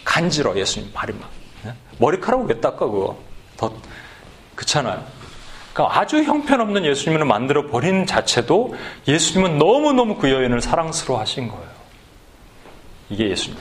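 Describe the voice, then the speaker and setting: A man preaching a sermon as pastor, telling a story with lively acted-out bits, in a church. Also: a little high, a little fast. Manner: animated storytelling, acts out voices, then leads sung worship. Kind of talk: sermon with acted skit retelling. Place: church sanctuary.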